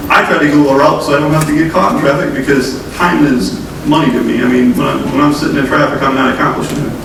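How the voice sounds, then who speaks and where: A man with a cold giving a folksy, direct talk and calling his listeners folks. He speaks at a brisk clip. The sound comes from a distance in a heavily echoing hall with audible noise. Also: on the high side, fairly even intonation, vocal fry. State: has a cold, losing his voice. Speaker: state transportation official. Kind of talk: conference presentation. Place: conference room. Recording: echoey hall, distant mic, noisy.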